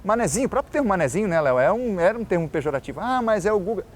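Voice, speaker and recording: A man's voice: sits high, sing-song, racing, a little hiss or hum. A man from Florianópolis with a local manezinho accent, a tour guide and journalist talking earnestly in an interview and explaining his points. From Florianópolis, Brazil. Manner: earnest, explanatory, addresses the host by name. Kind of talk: casual interview talk.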